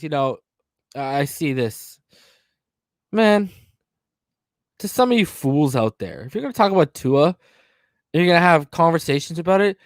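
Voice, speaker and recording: Male sports-stream host, high voice, close dry mic, heated and mocking. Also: dry recording. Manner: heated, mocking, swings from mumbling to loud. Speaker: podcast host. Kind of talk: casual live-stream rant.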